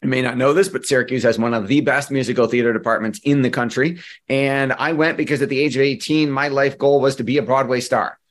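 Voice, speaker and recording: A middle-aged man presenting a workshop as a marketing coach, speaking in a lively, conversational way and telling stories from his own life. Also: mid-range voice, fast talker. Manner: lively, conversational storyteller who acts out dialogue. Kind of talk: workshop presentation with personal storytelling.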